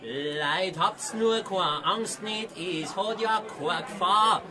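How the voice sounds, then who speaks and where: An actor playing a swaggering, joking village reservist with a Bavarian accent in a dialect audiobook drama. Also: male voice, high voice, slow, pushed and bright, exaggerated voice. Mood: bragging.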